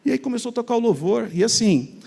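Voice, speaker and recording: A middle-aged Brazilian man telling his personal faith testimony in an animated storytelling way, acting out remembered conversations. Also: very high-pitched, fast talker, gravelly, slightly rough, big-room sound. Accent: Brazilian Portuguese. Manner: animated, acts out remembered dialogue. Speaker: speaker sharing a faith testimony.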